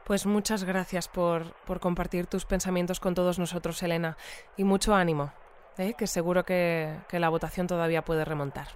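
Actress as a courteous radio presenter, background noise. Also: female voice, lowish voice, fairly even intonation, normal speed, few pauses, close to an everyday voice. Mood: sympathetic. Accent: Castilian Spanish. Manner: polite, conversational, sympathetic. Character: courteous, sympathetic female radio news presenter. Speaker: news bulletin host. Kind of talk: radio news presenting in audio fiction. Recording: clear background noise and ambience.

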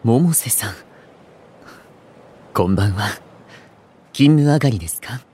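A man playing a composed, courteous and earnest gentleman in a voice drama, with measured, slightly formal speech. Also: medium pitch, expressive, breathy edge. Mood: polite. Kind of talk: Japanese voice drama acting.

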